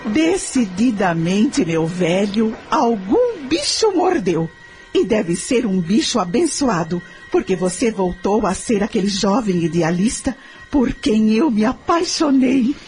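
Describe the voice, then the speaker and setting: A woman playing a caring, principled middle-aged mother and wife in a radio drama, earnest and gently moralizing, with a Brazilian accent. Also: medium pitch, very animated, takes it slowly, soft background music. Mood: affectionate.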